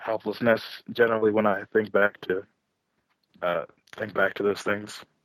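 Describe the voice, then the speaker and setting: The sound is dry and close, with no echo. A man speaks at a medium pitch. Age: 20s. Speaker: college student caller. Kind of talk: call-in conversation. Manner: halting.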